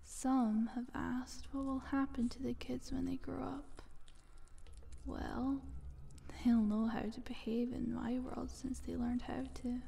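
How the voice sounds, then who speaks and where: A woman playing a calm, condescending, playfully ominous eldritch monster in a soft, breathy whispered ASMR roleplay, speaking slowly and coaxingly. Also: sits high, heavily acted. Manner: slow, deliberate, coaxing.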